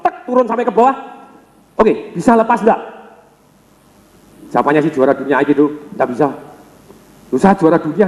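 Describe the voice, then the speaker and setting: A male sales trainer working a seminar crowd, quick-fire and high-pitched for a man, constantly turning to address the audience. His voice rings through a large hall with a long echo. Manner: energetic, keeps addressing the audience directly. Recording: echoey hall with long reverb.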